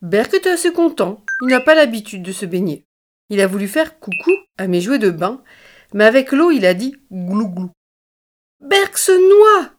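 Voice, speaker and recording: A mother reading a children's bedtime story aloud into a phone, in a lively, sing-song storytelling manner. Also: mid-range voice, moderate pace.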